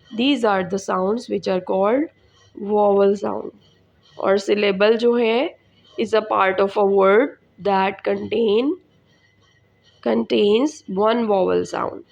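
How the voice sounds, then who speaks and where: Woman teacher, gravelly and unhurried, dull lo-fi recording; suits an English lesson. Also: medium pitch. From Pakistan. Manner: slow, deliberate, repeats words for students. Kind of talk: classroom lesson explaining English in Urdu.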